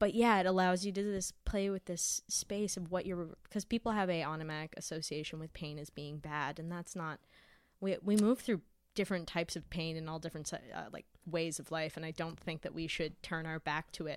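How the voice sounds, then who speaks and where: Delivered at a fairly quick pace in a Cape Breton accent, the speech has ordinary pitch variation. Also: woman, fairly low pitch for a woman. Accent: Cape Breton accent, toned down. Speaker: portrait artist and burlesque dancer. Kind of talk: casual interview chat.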